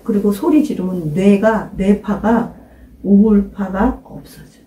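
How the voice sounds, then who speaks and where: A woman's voice: mid-range voice, slow, noisy background. An older woman pastor preaching an informal sermon, emphatically questioning her listeners and urging them to pray aloud. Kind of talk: informal sermon to a small congregation. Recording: roomy echo, mic at a distance.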